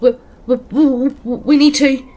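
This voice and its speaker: A woman voicing a panicked young man who sobs and shouts in terror while telling a horror story. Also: high voice, fairly even intonation, a little slow, pitched above the performer's own voice. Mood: terrified, sobbing.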